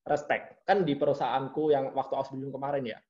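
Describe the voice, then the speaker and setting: A man with a medium-pitched voice talks fairly quickly as an interview guest, chatting casually. He tells his stories with animation, acting out the bosses he quotes, and the audio is muffled and lo-fi.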